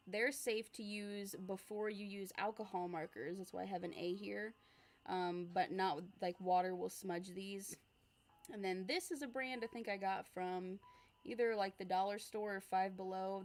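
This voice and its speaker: A young woman livestreaming as an art creator, chatting casually and answering viewer comments while she sketches, with a relaxed, rambling manner. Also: medium pitch. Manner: frequent fillers and laughs, relaxed.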